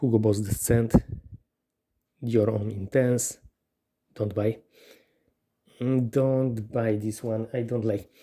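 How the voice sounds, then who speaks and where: A man with a Polish accent, medium in pitch, dark and mellow in tone, with fairly even intonation and a very slow pace. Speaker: fragrance reviewer. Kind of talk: product review. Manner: unscripted, halting.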